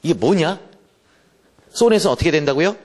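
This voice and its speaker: A high-voiced man gives a literature lecture with a pitch that leaps all over. He fires teasing rhetorical questions at the class and slows right down to read English lines of verse. His talk is quick and playful. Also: animated, noisy background. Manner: reads English verse slowly and deliberately.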